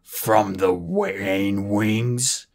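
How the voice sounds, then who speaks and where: A huge black dragon, as a man puts him on, slow and venomous in every word, with a husky edge to his voice. He sounds scornful and dangerous in a storybook reading. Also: fairly low pitch, a little mellow, full character voice. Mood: menacing.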